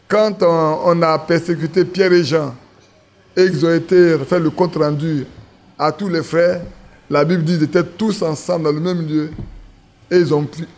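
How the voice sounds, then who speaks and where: In a church assembly, an Ivorian man with a fairly high, darkish-toned voice delivers a casual sermon. He talks with the congregation rather than at them, putting questions to them throughout.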